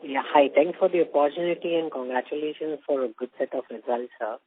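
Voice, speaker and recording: A man's voice: a little high, fairly quick, a crowd in the background. A man with an Indian accent asking questions as a financial analyst, polite and businesslike. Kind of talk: earnings call questions. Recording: narrow phone line.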